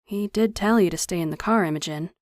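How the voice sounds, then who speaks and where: Picture a wise older mountain aunt, as a woman reading puts her on, unhurried and plainspoken in a storybook, her voice sitting low and close. The sound is dry, with no room around it. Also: a little mellow, no room sound, natural voice. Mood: gentle.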